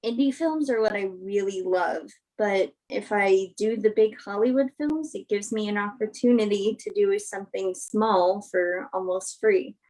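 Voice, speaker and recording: A woman's voice: mid-range voice, unhurried, hardly any pauses, darkish tone, close to an everyday voice, rough recording. A woman acting the part of a candid, principled movie star giving an interview in a naturalistic play reading, frank and reflective. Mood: earnest. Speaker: actress in a virtual staged reading.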